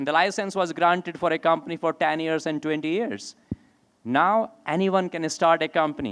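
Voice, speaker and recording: A man speaks at a high pitch with ordinary pitch variation. His pace is moderate. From India. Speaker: law professor and UN human rights expert. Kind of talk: conference keynote speech.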